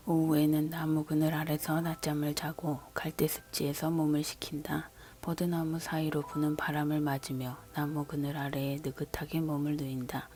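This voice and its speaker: A woman's voice: low voice, close to an everyday voice. A woman reading God's words to a man in an unvoiced whisper, as a whispered scripture reading. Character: almighty God questioning a man. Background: soft background music.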